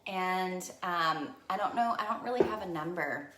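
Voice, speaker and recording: A woman co-hosting, with a low voice for her sex. She talks in a soft, reflective and encouraging tone, and her voice carries an echoey room sound. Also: moderate pace, noisy background. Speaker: co-host. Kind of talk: casual chat.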